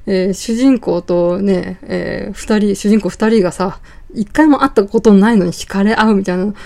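Woman around forty, solo podcast host, gravelly, mellow tone, filler-heavy casual chat. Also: mid-range voice. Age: 40s. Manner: chatty, many filler pauses.

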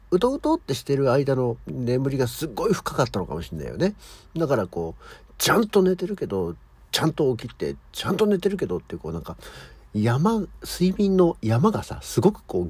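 A middle-aged man hosting his own morning show, chatting casually and with high energy as he tells a story alone. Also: darkish tone, husky, no echo. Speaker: podcast host. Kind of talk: casual solo morning talk.

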